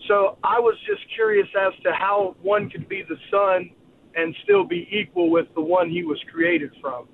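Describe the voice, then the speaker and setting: Male caller with a Virginia accent, high and lively, polite and folksy, on a tinny phone line. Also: normal speed, vocal fry. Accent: Virginia Southern. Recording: phone line with faint noise.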